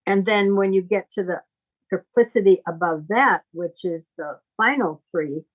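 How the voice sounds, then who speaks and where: A middle-aged woman teaching informally in conversation, explaining things in a halting, deliberate, reflective way. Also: mid-range voice, rough recording. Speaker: astrology teacher.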